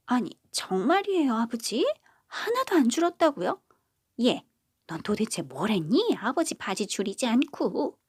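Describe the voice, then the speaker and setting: A woman voicing an indignant young eldest daughter who scolds her sister in a shrill voice. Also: very animated, unhurried, a little mellow, breathy edge, no echo, clean studio sound.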